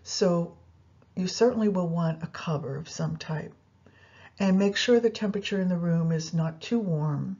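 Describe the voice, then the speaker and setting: A woman leading a guided yoga nidra meditation, giving unhurried instructions directly to the listener. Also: lowish voice, warm tone, husky, dull audio.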